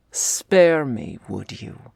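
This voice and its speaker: A woman voicing a tough but secretly tender female half-orc commander in a slow, confessional ASMR role-play, with a husky, gravelly, breathy voice. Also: rumbling low, no room sound, studio quality, heavily acted. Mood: exasperated, teasing. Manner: slow confessional delivery, often dropping in a soft voice.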